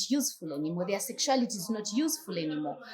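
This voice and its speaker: Over noticeable background noise, a woman speaks very fast. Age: 40s. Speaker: healing retreat host. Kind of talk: interview questions.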